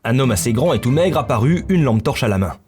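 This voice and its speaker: A man's voice: mid-range voice, lively intonation, fast, darkish tone. A man narrating a scripted story in literary prose as the narrator of a visual novel. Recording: music bed under the voice.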